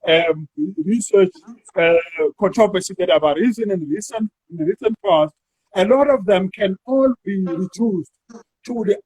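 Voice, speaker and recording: A South African man, a university academic, talking through an academic discussion in a measured way and drawing words out while he thinks. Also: sits high, a little mellow, slightly rough, dry recording, low-quality recording.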